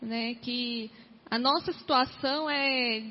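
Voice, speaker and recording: Woman, church member, hesitant reflection, slightly high voice, reverberant room. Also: slow. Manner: hesitant, many tag questions. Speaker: congregation member. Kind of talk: sharing a reflection at a church meeting. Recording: dull, reverberant hall recording.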